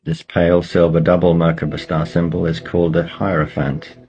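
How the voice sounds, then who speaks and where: A man leading a guided meditation, giving slow, measured instructions with pauses between phrases. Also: low-pitched, flat delivery, mellow, low-quality recording.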